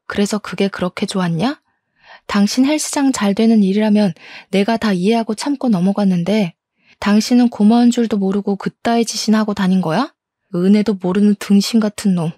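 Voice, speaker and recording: A woman's voice: medium pitch, moderate pace, warm tone, breathy edge, dry recording, clean studio sound, close to an everyday voice. A woman playing a betrayed wife who fires back with bitter, indignant retorts. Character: betrayed, furious wife in her thirties. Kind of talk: audio story dramatization.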